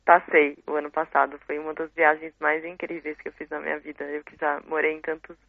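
A reflective Brazilian woman in her thirties, pausing to find her words as she talks about her work. Her voice has a gravelly fry and comes through a tinny, dry phone line. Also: deep voice, level tone, no echo. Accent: Brazilian Portuguese. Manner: reflective, searching for words, frequent tag questions. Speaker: guest poet. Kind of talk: casual interview talk. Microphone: phone call.

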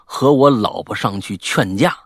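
A male podcast host reading out a listener's story aloud, animated and full of character voices. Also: a little slow, no room sound, clean studio sound. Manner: lively, mimics characters with sudden high-pitched outbursts.

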